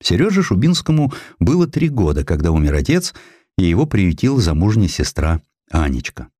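A man reading a scripted historical sketch as an audiobook narrator, in with an expressive, theatrical storytelling delivery. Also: deep voice, moderate pace, no echo, clean studio sound. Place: studio.

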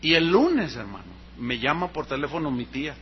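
A Mexican man preaching a sermon, telling a personal story and acting out the dialogue with lively energy. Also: a little high, normal speed, breathy edge, muffled recording. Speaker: pastor.

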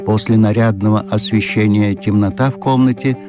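A man narrating a children's fairy-tale audiobook in an expressive storytelling manner. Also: on the low side, normal speed, over music.

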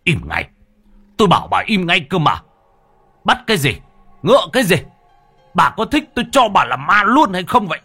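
A man voicing a hot-tempered middle-aged husband in a ghost story, shouting and stammering with rage. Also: high-pitched, huge pitch swings, moderate pace, long pauses, slightly rough, faint music behind, voice pushed up, exaggerated voice. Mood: furious.

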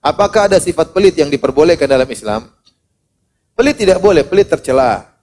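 Middle-aged male preacher, higher-pitched voice, lively sermon delivery, faint background hiss. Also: brisk. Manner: animated, acts out quoted people, varies loud and soft. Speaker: Islamic preacher. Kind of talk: sermon to a congregation.

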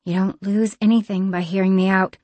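A careful, deadpan tinkerer who weighs every word, voiced by a woman narrator. Her speech is measured and slightly formal. It is recorded close and dry. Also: medium pitch, dry recording, lightly acted.

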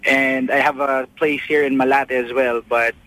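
A man's voice: medium pitch, level tone, moderate pace, bright, forceful tone, low-quality recording. A man calling in to a radio show who speaks hesitantly, full of restarts. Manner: hesitant, many fillers and restarts. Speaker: caller. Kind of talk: phone-in chat.

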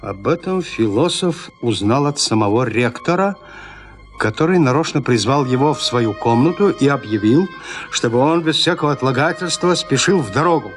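A man narrating a classic story in a radio play, reading in a measured, expressive literary way. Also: medium pitch, soft background music.

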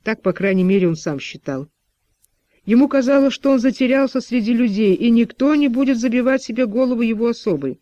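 A man narrating an audiobook in a measured, even literary reading. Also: very high voice, no room sound, highs cut off.

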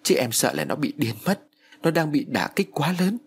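An anxious younger brother who keeps asking what went wrong, as a male storyteller voices him. His voice is husky and swings up and down in pitch. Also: expressive, moderate pace, full character voice. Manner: anxious, pleading questions.

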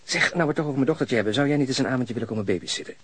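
An actor playing a hearty, bantering fat police detective in a radio drama. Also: male voice, mid-range voice, rapid-fire, breathy edge, lightly acted. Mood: jovial. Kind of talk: naturalistic Dutch radio drama acting.

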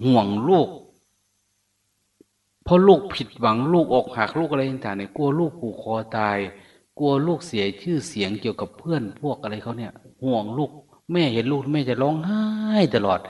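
An older man, a monk, giving a folksy storytelling sermon, acting out the people in his stories with blunt, rough words. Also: medium pitch, normal speed. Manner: lively, acts out quoted speakers, blunt rough words. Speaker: monk giving a dharma talk.

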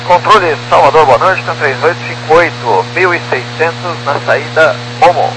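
A man's voice: on the high side, normal speed. A man speaking as a pilot over the radio, giving clipped readbacks to air traffic control. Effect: aviation radio. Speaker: airline pilot. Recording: noisy humming aircraft radio transmission.

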